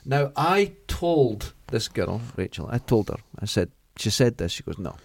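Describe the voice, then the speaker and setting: A man's voice: mid-range voice, a little slow, vocal fry, breathy edge. Chatty man with a Dundee accent. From Dundee, Scotland. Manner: chatty storyteller, lively anecdotes. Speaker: podcast co-host. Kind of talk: casual chat.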